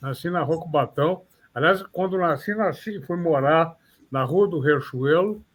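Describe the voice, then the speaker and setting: An older man from São Paulo with a São Paulo Portuguese accent, a criminal defense lawyer recalling his career in measured, formal interview answers. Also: on the high side. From São Paulo, Brazil. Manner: measured, formal, slightly florid phrasing.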